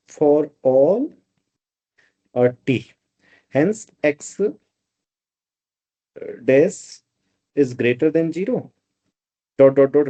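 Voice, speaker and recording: Man, math teacher, unhurried delivery, soft dark tone, keeps asking if it's clear. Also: medium pitch, muffled recording. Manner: slow, explanatory, checks in with students often. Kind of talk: live online math lecture, Hindi-English mix.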